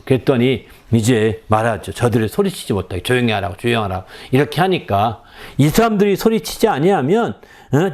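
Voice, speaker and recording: Lively, animated preaching man. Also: mid-range voice. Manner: lively preaching, frequent "예?" prompts to the congregation. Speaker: pastor. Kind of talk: sermon.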